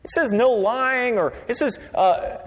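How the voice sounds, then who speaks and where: A man preaching a sermon as pastor, conversational and lively, dropping to a quiet voice for emphasis. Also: extremely high pitch, a little slow. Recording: long reverb of a large hall.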